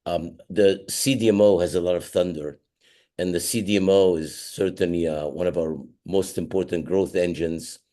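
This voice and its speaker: A man's voice: low-pitched, steady tone, moderate pace, warm tone. A middle-aged man, a company chairman, giving a shareholder update while under the weather, speaking hesitantly with many fillers and restarts.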